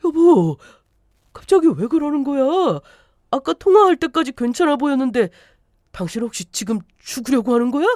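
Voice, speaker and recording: A whiny, scheming middle-aged husband, as a woman reader puts him on, his voice pushed up high and wobbling between sulky demands and wheedling pleas. He sounds strained, as if the words come from a little off the mic, and his crying always sounds put on. It is a storybook reading in a dry, close sound. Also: sing-song, moderate pace, darkish tone, no room sound. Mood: fake wailing. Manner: wheedling, fake sobbing pleas. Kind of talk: storybook narration.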